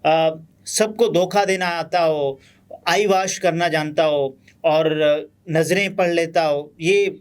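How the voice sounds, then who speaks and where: A man with a Pakistani Urdu accent giving conversational political news commentary, pausing often with fillers. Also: fairly high pitch, fairly even intonation, clean tone. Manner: conversational, many pauses and fillers.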